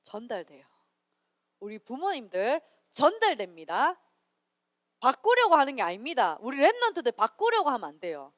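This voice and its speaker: A woman children's pastor speaks with a lilt. Her voice sits high and swings widely as she coaxes the kids to repeat after her. The sound is dry, close and clear. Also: no room sound. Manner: animated, leads children in repeating lines, reads scripture slowly and loudly. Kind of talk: children's sermon with call-and-response.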